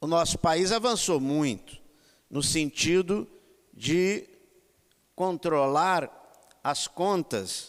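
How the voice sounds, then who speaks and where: The speech moves at a very slow pace with long, frequent pauses, on a very clean recording with a silent background. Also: man, high pitch for a man, ordinary pitch variation. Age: 60s. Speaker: state legislator and candidate at confirmation hearing. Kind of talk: formal hearing speech. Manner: formal.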